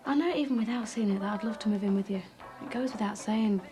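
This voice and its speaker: A woman's voice: mid-range voice, fast, over music, natural voice. An actress playing a cautious, practical young woman in a TV soap, hesitant and defensive. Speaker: young woman living with her mother. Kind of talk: TV soap acting.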